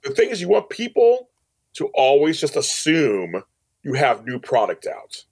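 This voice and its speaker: Animated man chatting in an interview. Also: a little high, unhurried. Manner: animated, emphatic, repeats phrases, acts out quotes. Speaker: podcast guest, audio drama producer and director. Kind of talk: casual interview chat.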